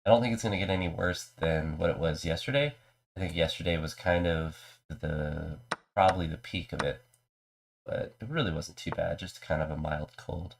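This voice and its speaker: A man's voice: moderate pace, vocal fry. A man with a mild cold and a congested voice, casually talking through his chess moves on a live stream. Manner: low-key, talks through his moves.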